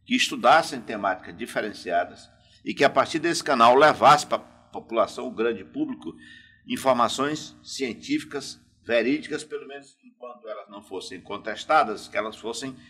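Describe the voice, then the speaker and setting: A man's voice: mid-range voice, moderate pace, sharp tone, husky. A man co-hosting a podcast, emphatic and formal in his welcomes. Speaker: co-host professor.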